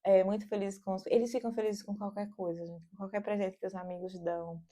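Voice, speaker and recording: A woman's voice: mid-range voice, fast talker. A woman in her thirties from Brazil with a Brazilian Portuguese accent, chatting casually and animatedly in a vlog from her home office. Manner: chatty and animated, lots of fillers. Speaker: vlogger.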